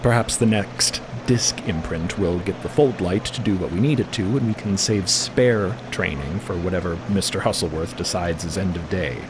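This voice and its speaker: A man acting as a calm, methodical ship's officer in a fiction podcast, speaking in a measured, considered way. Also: low-pitched, noisy background, close to an everyday voice. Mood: calm, decisive.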